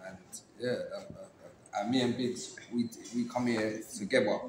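A man's voice: mid-range voice, fairly even intonation, moderate pace, darkish tone. A man with an East London accent, telling a story in an easygoing, rambling way. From England. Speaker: restaurant team member. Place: restaurant seating area, indoors. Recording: roomy with background noise.

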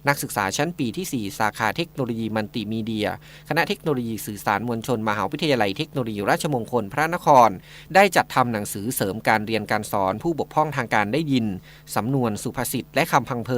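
A man's voice: medium pitch, fairly bright tone. A man delivering a scripted news report as a radio reporter.

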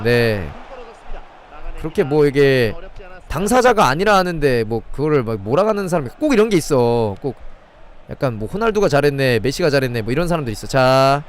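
A young man streaming a football video game, calling the plays and chatting with viewers in between. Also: fairly high pitch. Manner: excitable play-by-play, chatting with viewers. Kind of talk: live gameplay commentary.

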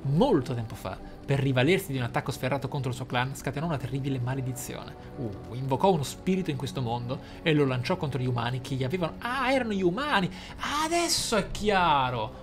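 A man's voice: medium pitch, animated, fast talker, few pauses. A man hosting a gaming channel, reading lore aloud expressively and musing on it in asides. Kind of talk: reading game lore aloud with off-the-cuff commentary. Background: game music.

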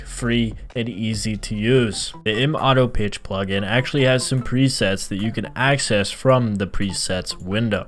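A man's voice: lowish voice, fairly bright tone. A man in his thirties narrating a scripted tutorial as a channel host, speaking into a close microphone. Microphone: close broadcast microphone on a boom arm.

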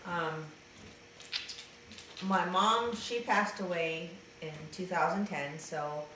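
Trans man vlogger, middle-aged, hesitant and halting, slightly raspy; slow delivery, echoey room heard from far off. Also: sits high, background noise. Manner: hesitant, halting, many fillers and restarts. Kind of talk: casual personal video diary, then reading a letter aloud. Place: dim room indoors, seated in an armchair. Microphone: camera mic at a distance.

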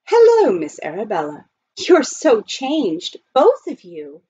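A woman voicing a polite, earnest butler turned gold miner with a formal, halting delivery in a storybook reading. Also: on the high side, wildly swooping pitch, dark tone, breathy edge, dull audio, exaggerated voice. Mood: astonished, polite.

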